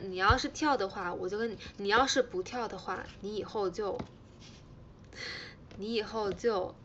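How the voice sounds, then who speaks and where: Bright and forceful, this young woman's mid-range voice comes through a muffled recording with a little background noise. She's a Chinese idol host on a casual livestream, teasing fans and saying things more than once.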